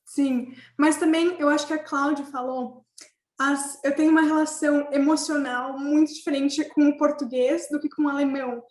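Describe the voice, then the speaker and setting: A woman's voice: high-pitched, steady tone, moderate pace, a little mellow, reverberant. A young woman student guest on a casual panel chat, speaking hesitantly with little laughs. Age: young adult. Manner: hesitant, giggly.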